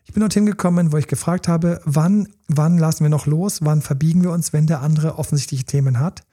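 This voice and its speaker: A man's voice: fairly high pitch, a little fast, warm tone. A man talking casually about relationships as a coach, who acts out partners' pleas in character and sometimes drops to a whisper. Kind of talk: casual podcast talk.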